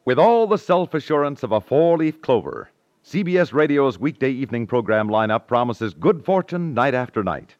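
A man's voice: medium pitch, big pitch swings, moderate pace, no echo. An American man announcing in a polished, upbeat 1950s network radio style, reading scripted promotion. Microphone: dry studio announcer mic. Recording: dull vintage 1950s radio recording.

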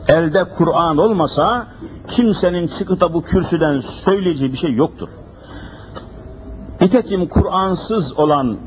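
A man preaching a sermon at a pulpit microphone, emphatic and full of repeated rhetorical questions. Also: a little high. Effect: speaking at a pulpit microphone. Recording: dull lo-fi recording with faint hiss.

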